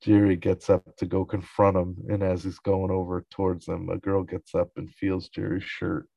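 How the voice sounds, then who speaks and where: Deep, gravelly recap guy. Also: completely flat delivery, normal speed, mellow, no room sound, low-quality recording. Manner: loose and chuckling, with frequent fillers. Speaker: episode recap host. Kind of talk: casual episode recap.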